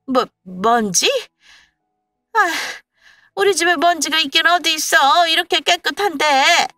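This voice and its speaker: A woman's voice: high voice, animated, unhurried, bright, forceful tone, dry recording, studio quality, soft background music, pitched above the performer's own voice, heavily acted. A woman voicing a nagging, stubborn older mother-in-law who talks in a whiny, complaining way, in a storybook radio tale. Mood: whining.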